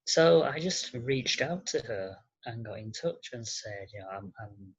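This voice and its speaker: A podcast guest with a masculine-sounding voice answers conversationally in a halting, hesitant way, on slightly muffled audio. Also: medium pitch, lively intonation, husky.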